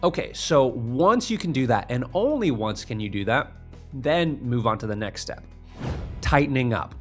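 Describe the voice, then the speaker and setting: A man's voice: mid-range voice, expressive, moderate pace, faint music behind. A man giving an instructional tutorial as a vocal coach, explaining emphatically step by step.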